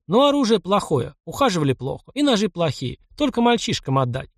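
Seasoned taiga hunter, voiced by a man, blunt, proud, simple phrasing, slightly high. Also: big pitch swings, brisk, dry recording, studio quality, full character voice.

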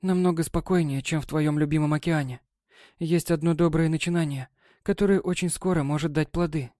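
Brief: soft, coaxing sea captain's wife, put on by a male reader, lifted mellow tone. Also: fairly high pitch, steady tone, a little fast, no echo, studio quality, pitched above the performer's own voice, natural voice. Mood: tender. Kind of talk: audiobook character voice.

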